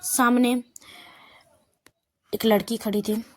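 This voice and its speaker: A woman's voice: a little high, little pitch movement, slow. A woman narrating a love story in a casual, unscripted way, often restarting and correcting herself.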